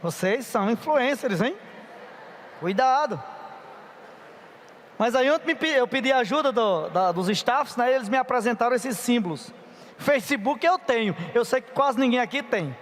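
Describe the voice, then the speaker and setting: A middle-aged preacher with a high voice, talking in a chatty, playful way and turning to the crowd for help. His voice carries a long echo through a large conference hall. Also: lively intonation, moderate pace, slight background noise. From Paraíba, Brazil. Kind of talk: youth conference sermon. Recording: reverberant hall.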